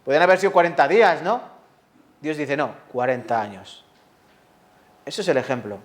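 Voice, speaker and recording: A man preaching a sermon, lively and full of rhetorical questions to the congregation. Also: on the high side, fast. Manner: lively, asks the audience rhetorical questions, acts out quotes.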